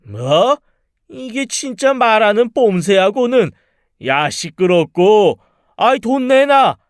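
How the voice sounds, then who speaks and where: A man's voice: high voice, dry recording, clean studio sound. A man playing a menacing, money-grubbing father in an audio drama, coarse, mocking and bullying in manner. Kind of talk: dramatized audio story acting.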